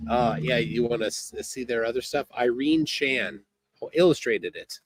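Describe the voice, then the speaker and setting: A man hosting a casual livestream, reading chat aloud in a halting, laid-back way, speaking outdoors by the water. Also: mid-range voice, no room sound. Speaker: livestream host.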